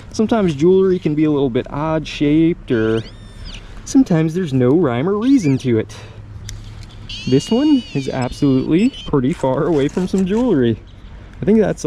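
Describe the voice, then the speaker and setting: A man's voice: a little high, warm tone. A man chatting casually and musing aloud in a laid-back, slangy way as he hosts an outdoor metal detecting vlog in a park. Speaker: host of a metal detecting channel. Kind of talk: casual outdoor vlog chat, thinking aloud while searching. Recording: outdoor park ambience with clear background noise. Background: park ambience.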